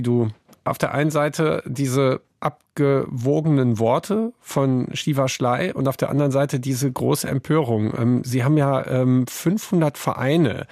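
A man's voice: mid-range voice, a little mellow, no echo, studio quality. A man moderating a panel debate, asking probing questions and paraphrasing and quoting others. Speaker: debate host.

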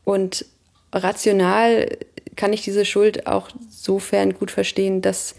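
Thirties woman, interviewee, reflective and searching; heavy vocal fry, mellow tone. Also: medium pitch, flat delivery. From Germany. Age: 30s. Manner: thoughtful, searching, pauses with hesitations.

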